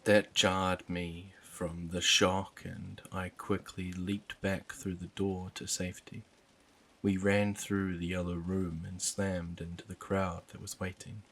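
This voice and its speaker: Deep slow male horror narrator. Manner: low, even, unhurried storytelling. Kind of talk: scripted first-person horror narration.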